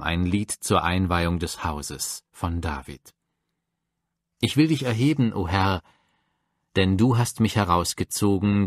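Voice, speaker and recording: A man reading psalms aloud for a Bible audiobook, measured and reverent. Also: deep voice, no echo, clean studio sound. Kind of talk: solemn scripture reading.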